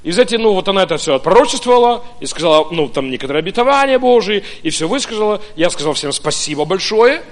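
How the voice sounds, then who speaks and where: A pastor from Ukraine preaching a sermon, telling his own story in an animated way with many hesitant fillers. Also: sits high, quick pace, hardly any pauses. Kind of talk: sermon with personal testimony.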